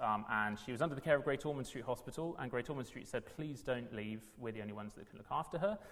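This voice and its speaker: Ordinary pitch variation in a Welsh accent. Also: man. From South Wales. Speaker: Anglican minister, former barrister. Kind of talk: lecture.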